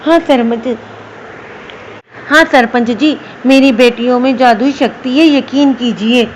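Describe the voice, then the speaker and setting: A woman voicing a poor widowed village mother who pleads softly for her daughters in a storybook tale. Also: sits high, unhurried, a little hiss or hum. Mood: pleading.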